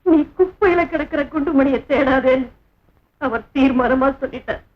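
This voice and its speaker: A woman's voice: high-pitched, moderate pace, natural voice. An actress playing an anxious wealthy mother who pleads with her grown son in an old film. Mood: pleading. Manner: pleading, grieving. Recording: dull old film soundtrack with loud music.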